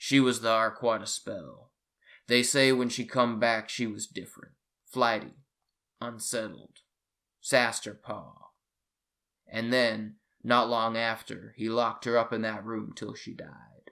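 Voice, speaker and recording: Putting on a character voice with a rural New England accent, a man speaks shakily at medium pitch in a monotone, flat intonation, at a fairly slow pace with long, frequent pauses and big swings in loudness. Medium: read story. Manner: slow, rambling, folksy.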